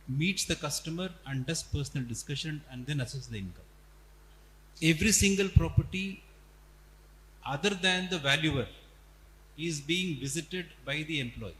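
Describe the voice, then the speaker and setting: An Indian man answers as a company executive on a conference call, in a slightly high voice. He lays points out step by step and repeats for emphasis. The sound is echoey, in a reverberant hall with faint noise. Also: fairly bright tone. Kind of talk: earnings call explanation.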